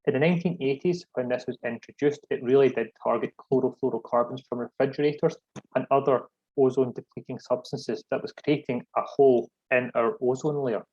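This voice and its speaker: A man with a thick, broad Scottish accent giving a deliberate, explanatory webinar presentation. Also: mid-range voice, fairly even intonation, darkish tone, slightly rough. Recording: dull, lo-fi online call audio.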